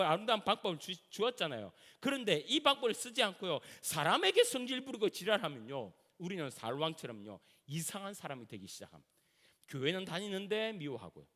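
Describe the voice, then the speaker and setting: A middle-aged male pastor with a Gyeongsang accent, preaching in a high, bright voice that leaps up and down in pitch. He talks colloquially and acts out everyday scenes as he goes. The long reverb of a church sanctuary trails after each phrase. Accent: Gyeongsang Korean. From Gyeongsang region, South Korea. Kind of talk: sermon.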